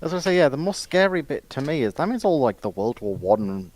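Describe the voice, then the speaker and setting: A man's voice: on the high side, sing-song, brisk, a little mellow. A man chatting casually as a panelist, asking questions and musing aloud.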